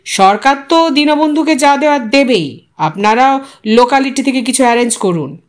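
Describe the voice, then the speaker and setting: A woman's voice: sits high, lively intonation, normal speed. A woman voicing a middle-aged male politician, self-important and unctuous, speaking with authority and dropping in English words. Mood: commanding.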